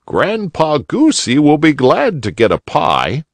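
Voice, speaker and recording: A man voicing a polite, kind old rabbit gentleman in a gentle, fussy way. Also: on the high side, huge pitch swings, takes it slowly, no echo, voice pushed up, full character voice. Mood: kindly.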